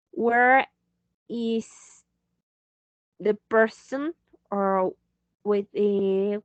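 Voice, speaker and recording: Woman English teacher, slow and patient delivery, fairly high voice, dull dry call audio. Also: no echo. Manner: slow, patient, switching into Spanish to explain. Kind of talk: online English lesson.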